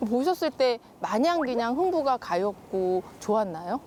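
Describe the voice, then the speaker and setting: Woman, high-pitched and very animated, expressive explainer as an interview guest, faint background noise. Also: normal speed. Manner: expressive, explains with rhetorical questions and acted-out quotes. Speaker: guest children's literature author. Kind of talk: explanatory talk-show interview.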